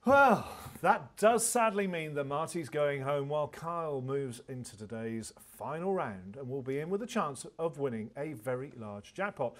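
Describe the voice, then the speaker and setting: A man's voice: a little high, animated, moderate pace, hardly any pauses, fairly bright tone. A man playing an upbeat TV quiz show host, presenting and commentating with suspense and emphatic delivery. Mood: hushed commentary. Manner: builds suspense, counts down emphatically.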